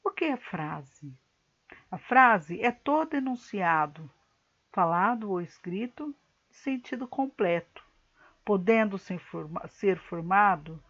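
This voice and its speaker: A woman teacher with a Brazilian Portuguese accent, reading a grammar lesson slowly and carefully to her class. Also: mid-range voice, dull audio. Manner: slow, careful explanatory reading. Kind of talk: recorded online grammar lesson.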